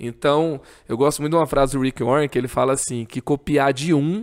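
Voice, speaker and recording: A man with a plain, everyday voice speaks at a moderate pace, with a fairly high pitch and ordinary pitch variation. The recording is very clean with a silent background, and the sound is dry and close with no echo. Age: 30s. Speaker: pastor. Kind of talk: casual chat.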